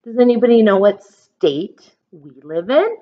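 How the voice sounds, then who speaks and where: A slightly muffled, lo-fi recording of an American woman reading to young children. Her pitch moves in a lively, expressive way. She explains things simply like an elementary teacher and puts questions to her listeners. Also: measured pace. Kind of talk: children's picture-book read-aloud with explanations.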